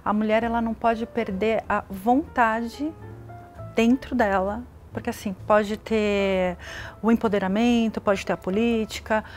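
A woman's voice: fairly high pitch, steady tone, a little slow, faint music behind. Earnest woman making her point. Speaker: visual artist, panel guest. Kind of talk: casual talk-show conversation. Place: living-room studio set.

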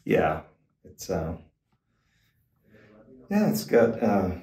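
An older man, a guitar expert guest, explaining in a casual, halting way with many fillers and restarts, in a small backstage room. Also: deep voice, wildly swooping pitch, warm tone, recorded from a distance. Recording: roomy, off-mic, faint noise.

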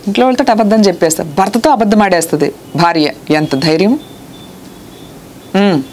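A woman's voice: mid-range voice, fairly quick, a little mellow, a little hiss or hum. Earnest woman preacher scolding her flock. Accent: Telugu. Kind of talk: sermon.

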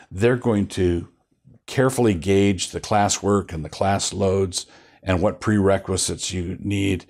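In a low voice, an older pastor wanders through his points during a casual studio interview, often restarting and giving a wry chuckle. He is miked with a lapel mic on a set furnished with bookshelves.

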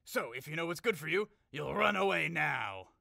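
A man's voice: on the high side, animated, normal speed, vocal fry, sharp tone, no echo, clean studio sound, heavily acted. A man playing a bumbling, boastful thief in an amateur audio drama, blustering and stumbling over his boasts. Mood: flustered bluffing. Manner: hesitant bluster, stammering boasts.

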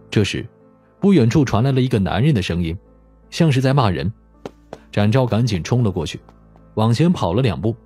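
A man narrates an audiobook in a dramatic, scripted manner. His voice is fairly low and husky, with very animated intonation, over faint music.

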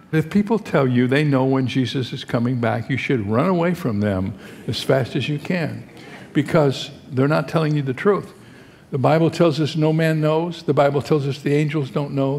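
A man's voice: on the high side, creaky, a little hiss or hum. An older man preaching a sermon to a congregation, talking in a conversational way and asking the crowd questions. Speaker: pastor. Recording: long hall reverb.

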